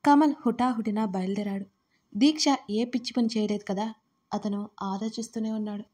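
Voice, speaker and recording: A woman tells a serialized romance story in a steady, scripted narration. Her voice is mellow and soft-edged, sitting at an ordinary middle pitch for a woman. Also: moderate pace, slightly rough. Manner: reads every part herself, louder and higher in the characters' lines.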